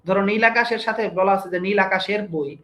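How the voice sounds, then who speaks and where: Young man, teacher, online class, high pitch, step-by-step explaining, asks questions, roomy echo. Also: a little fast, a bit bright.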